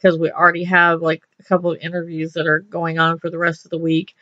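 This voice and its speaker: A woman's voice: on the low side, completely flat delivery, fast, pushed and bright, dry recording, dull audio. A middle-aged woman from Texas, a radio show host chatting with her guest in an upbeat, rambling way. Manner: chatty and upbeat, many restarts and laughs. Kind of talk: casual interview chat.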